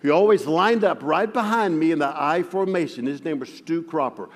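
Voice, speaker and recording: Man, stutterer, guest preacher, self-deprecating, slightly high voice, reverberant church hall. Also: moderate pace. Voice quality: stutters, with frequent repeated words. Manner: self-deprecating humor, chuckling as he talks. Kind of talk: sermon with personal storytelling. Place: church sanctuary. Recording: long reverb of a large hall.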